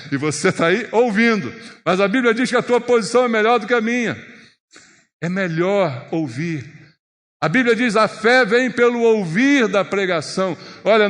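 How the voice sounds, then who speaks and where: A man with a Brazilian Portuguese accent preaching a sermon in a church, emphatic and animated, with strong rises and drops for emphasis. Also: high voice. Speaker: pastor. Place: church sanctuary. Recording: long church reverb.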